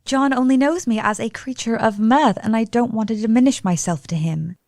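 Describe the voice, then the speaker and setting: An actress playing a frail young woman who sleepwalks, speaking softly in formal period English in a radio play. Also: a little high, fairly quick, dry recording, clean studio sound, lightly acted. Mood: dreamy dread. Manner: soft, earnest, period-formal speech.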